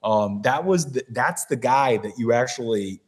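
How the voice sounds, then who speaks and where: A man's voice: medium pitch, animated, measured pace. A man who is a guest on a podcast, talking bluntly and animatedly in casual chat and sometimes mimicking other people.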